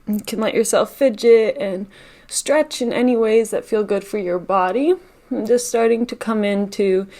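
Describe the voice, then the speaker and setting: A woman leading a guided meditation in a gentle, unhurried manner, leaving long pauses between phrases. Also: mid-range voice. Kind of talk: guided meditation, live session.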